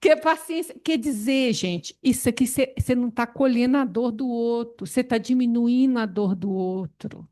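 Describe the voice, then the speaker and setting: A woman, leading a spiritist study group in an animated, expressive way. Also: on the high side, moderate pace, few pauses. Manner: animated, expressive, laughs often. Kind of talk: spiritist Bible study talk.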